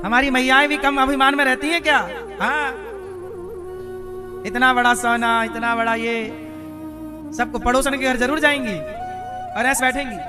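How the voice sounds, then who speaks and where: A man's voice: extremely high pitch, little pitch movement, moderate pace, pauses often, music in the background. A man preaching a devotional sermon, telling stories and questioning and teasing his audience. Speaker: katha preacher.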